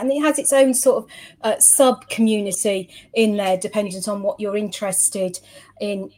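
A woman's voice: mid-range voice, a little mellow. Chatty middle-aged woman. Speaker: interview guest, social media professional. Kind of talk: conversational interview answers.

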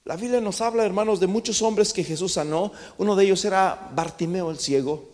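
A man preaching a sermon to his congregation in a church, impassioned, swinging between loud calls and hushed asides. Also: sits high, fairly quick. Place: church sanctuary. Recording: long church reverb.

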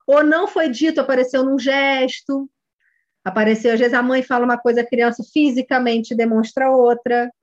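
A woman's voice: high-pitched, steady tone, normal speed, muffled recording. A woman with a Brazilian Portuguese accent, a kid coach instructor giving a chatty online course lesson and talking to students by name.

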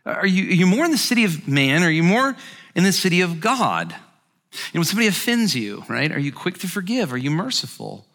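A man preaching a sermon as pastor, animated, acting out quoted voices and often repeating words as he goes. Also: high voice, a little fast, big-room sound. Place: church sanctuary.

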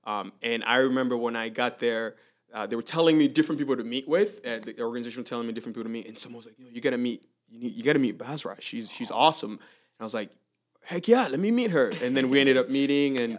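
A man's voice: mid-range voice, fast. A man hosting a casual interview, chatting in an upbeat, informal way with plenty of slang. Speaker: interview host.

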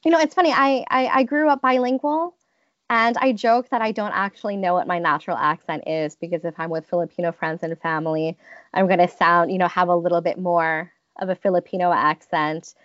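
A woman's voice: fairly low pitch, steady tone, a little fast, fairly bright tone, no echo, dull audio. A woman in her thirties from the United States, telling personal stories in an interview in a thoughtful, hesitant way with many restarts. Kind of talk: reflective personal storytelling.

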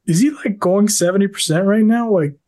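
A man with a fairly high voice talks sports on a casual podcast. He is animated and joking, and he tosses in quick asides. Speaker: podcast co-host.

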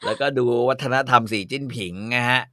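A man's voice: mid-range voice, fairly even intonation, fairly quick, fairly bright tone, no echo, studio quality. A man chatting casually and bluntly, often stalling with fillers while hunting for words. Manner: loose and profane, hunts for words with many fillers. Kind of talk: casual chat.

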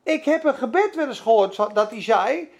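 A woman preaching a sermon with fervent emphasis, asking her own questions and answering them, swinging between soft and loud. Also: a little high, lively intonation, moderate pace, gravelly.

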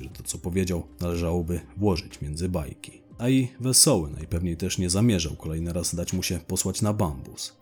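Male narrator, deep, husky, blunt and slangy, telling a crime tale over quiet music. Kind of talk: first-person crime story narration.

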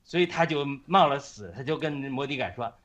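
A man casually retelling a Bible story on a Christian chat, halting often with fillers and restarts. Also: medium pitch, lively intonation, fairly bright tone. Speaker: Christian speaker on a faith chat.

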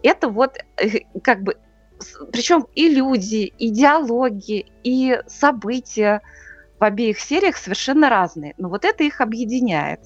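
A woman on a podcast recaps TV episodes in a loose, conversational way. Her pitch rises and falls a lot as she explains each plot point. The sound is a little dull, with faint music underneath. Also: unhurried, dry recording. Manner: lively, explains plots step by step. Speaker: podcast co-host. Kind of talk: casual TV review chat.

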